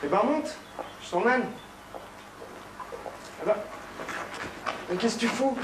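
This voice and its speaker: Hot-headed young guy, high voice, explosive and swearing, distant mic, echoey room. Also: takes it slowly. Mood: eager. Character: volatile young man, quick to anger. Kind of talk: film acting. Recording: roomy film sound, distant mic, noisy.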